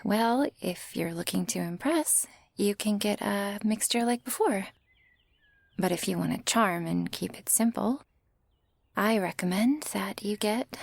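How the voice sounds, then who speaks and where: A woman's voice: medium pitch, no echo. A woman playing a friendly flower shopkeeper in a whispered ASMR roleplay. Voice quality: soft breathy whisper. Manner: friendly, softly welcoming.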